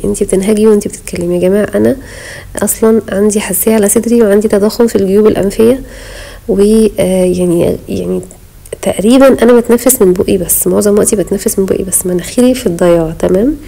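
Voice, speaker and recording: Breathless Egyptian woman, rapid chat. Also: mid-range voice, creaky, warm tone, low-quality recording. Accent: Egyptian Arabic. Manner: chatty, pious, talks straight to viewers. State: short of breath while talking. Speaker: home vlogger. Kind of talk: casual voice-over chat. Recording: voice-over.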